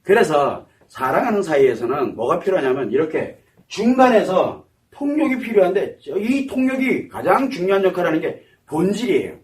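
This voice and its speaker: A man's voice: high voice, big pitch swings, normal speed. A man giving a psychology lecture, asking the audience questions and answering them himself. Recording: voice somewhat far from the mic.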